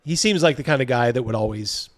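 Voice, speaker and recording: A man's voice: mid-range voice, quick pace, dry recording. A man hosting a casual live commentary, reading out viewer comments in a blunt, mocking, sweary way. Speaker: host of a livestream reacting to a video.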